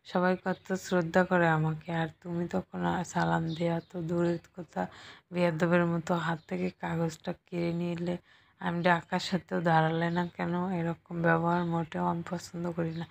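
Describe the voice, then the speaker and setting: A woman's voice: fairly low pitch, gravelly. A woman voicing a stern, short-tempered young male senior student who scolds and makes demands.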